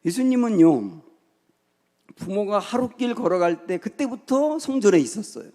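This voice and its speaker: A man's voice: sits high, dark tone. A man preaching a sermon as pastor, telling the story vividly and acting out quoted lines with a raised voice. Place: church sanctuary. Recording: long church hall reverb.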